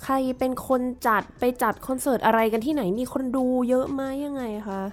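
Woman podcast host, higher voice, casual, keeps up quick backchannels. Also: steady tone, soft background music. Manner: brief encouraging backchannels. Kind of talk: casual interview chat.

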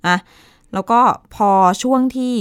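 A woman co-host telling a science news story in a relaxed, chatty radio conversation, with playful asides. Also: measured pace, dry recording, studio quality. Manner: chatty, explains with playful asides and pitch swoops.

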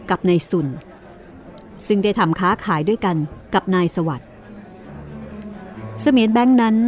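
A woman's voice: lowish voice, a little mellow. A woman narrating a courtroom mystery story in a storytelling style.

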